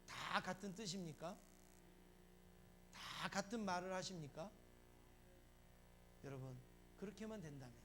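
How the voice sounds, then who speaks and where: A male pastor with a high-pitched voice delivers a sermon. He repeats short phrases and answers his own questions. A faint hum runs underneath. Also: fairly bright tone. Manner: asks the congregation questions and answers them, repeats phrases for emphasis; acts out quoted lines in a raised voice.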